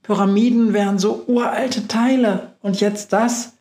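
A jittery little cartoon mouse reporter, played by a man in a high, squeaky register. He frets and questions everything. His voice echoes off the room. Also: steady tone, unhurried, a little mellow. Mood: worried. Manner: anxious, questioning. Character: nervous small reporter mouse, male and curious.

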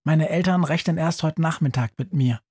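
Young boy sleuth, eager and bold, played by a man, raised husky voice, slow. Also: fairly high pitch, voice pushed up. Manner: bright eager boyish tone.

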